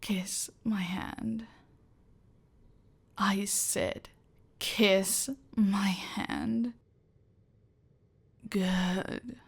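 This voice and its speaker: A domineering female cartel boss, played by a woman in an ASMR roleplay, who delivers her threats in a soft, close whisper. Her voice is gravelly with vocal fry. She speaks slowly, dragging out every word to keep the listener under her control. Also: mid-range voice, steady tone, heavily acted. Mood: silkily menacing. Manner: slow, deliberate, menacing, controlling.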